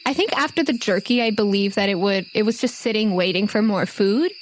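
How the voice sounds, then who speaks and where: A woman's voice: medium pitch, a little fast, a little hiss or hum. A woman narrating casually as game master of a tabletop game, with faint night ambience behind her.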